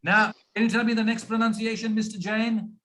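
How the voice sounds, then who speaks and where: Indian male trainer, high voice, slow careful drilling, video call. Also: flat delivery, fairly bright tone. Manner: drills words slowly, mixes in Hindi. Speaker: pronunciation trainer. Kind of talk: online pronunciation coaching.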